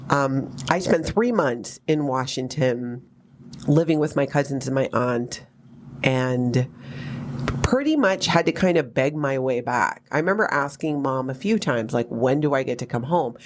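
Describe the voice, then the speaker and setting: A woman in her fifties from Hawaii, hosting a podcast and telling her own life story in a candid, wry, animated way with lots of asides. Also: rumbling low, a little slow. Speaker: podcast host. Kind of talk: personal storytelling chat.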